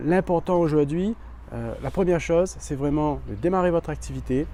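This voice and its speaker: A man talks at a moderate pace. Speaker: entrepreneur and YouTuber. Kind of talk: vlog talking to camera. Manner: halting, many hesitations.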